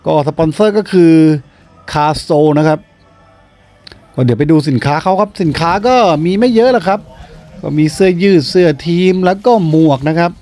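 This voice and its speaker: A man's voice: fairly high pitch, moderate pace, mellow, faint music behind. A man in his thirties giving chatty, explanatory commentary for a casual football travel vlog. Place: outdoor small football stadium. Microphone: handheld camera at arm's length.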